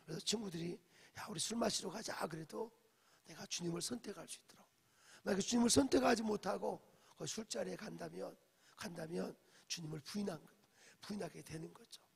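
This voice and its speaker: Gravelly high-voiced male pastor preaching. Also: a little fast. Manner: storytelling, asks the congregation questions; acts out quoted speech, drops in English phrases. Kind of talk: dawn service sermon. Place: church sanctuary. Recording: echoey church hall.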